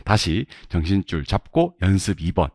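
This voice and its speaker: A man's voice: low voice, moderate pace, dry recording, clean studio sound. A middle-aged man giving an online exam-prep lecture, drilling students by reading figures aloud and quizzing them again and again. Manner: animated, drills numbers with repeated questions to students. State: just woke up, a bit scattered. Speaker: real estate exam instructor.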